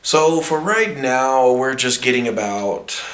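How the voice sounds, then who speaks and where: A man's voice: mid-range voice, expressive, slow pace, a bit bright, roomy sound. A man from Texas hosting a podcast, talking in an easygoing way and swearing freely. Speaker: podcast host. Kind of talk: casual chat.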